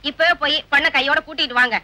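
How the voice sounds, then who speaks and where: A woman's voice: sits high, steady tone, racing, sharp tone. A woman as a wife pleading with and nagging her husband in film comedy dialogue. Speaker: wife, mother.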